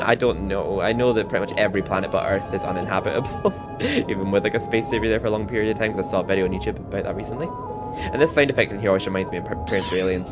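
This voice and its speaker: A young man chatting casually as he livestreams a game, rambling and laughing to himself. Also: low voice. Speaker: gaming streamer. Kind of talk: casual gameplay commentary. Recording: game music playing underneath. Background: game music.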